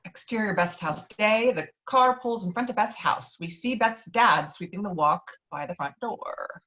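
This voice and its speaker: A woman's voice: medium pitch, measured pace, bright, forceful tone. A woman narrating stage directions from a screenplay at a virtual table read, recorded over an online call. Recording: dull lo-fi online call audio.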